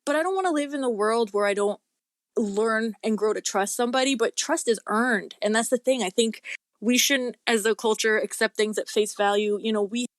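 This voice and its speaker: A woman's voice: fairly high pitch, moderate pace, no room sound, clean studio sound. A woman talking in a casual interview as a guest author, earnest and rambling, peppering her speech with little filler phrases. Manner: talkative, rambling, earnest, often says "you know" and "like".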